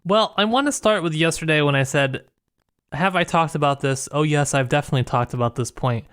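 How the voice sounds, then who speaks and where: A man co-hosting a casual literary discussion, talking in a halting way as he searches for his words. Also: a little high, a bit bright, clear, resonant tone. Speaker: podcast co-host.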